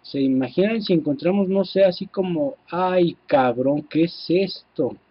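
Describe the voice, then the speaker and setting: A man with a Mexican accent giving casual, excitable gameplay commentary, swearing freely and talking to his viewers. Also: a little high, a little slow, breathy edge, lo-fi sound. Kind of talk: casual let's-play commentary.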